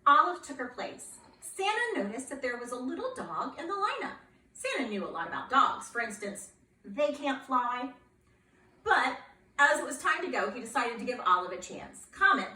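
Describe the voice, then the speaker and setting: A woman reading a children's picture book aloud in a playful, expressive way, asking her young listeners questions. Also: a little high, reverberant, far from the mic.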